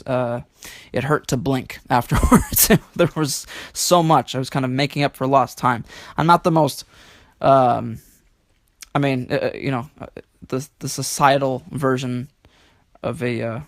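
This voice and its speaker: A man speaking as an interview guest, reflective and halting, repeating words and choosing slightly formal phrases. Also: mid-range voice, fairly even intonation, no echo, clean studio sound.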